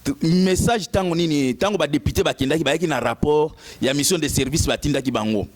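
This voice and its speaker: A Congolese man giving informal political commentary. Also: a little high.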